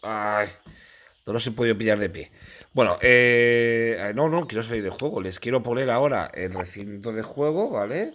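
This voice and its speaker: Speaking with a Castilian accent, a man uses lively intonation, a medium pitch and a moderate pace. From Spain. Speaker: gaming YouTuber. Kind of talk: gameplay commentary.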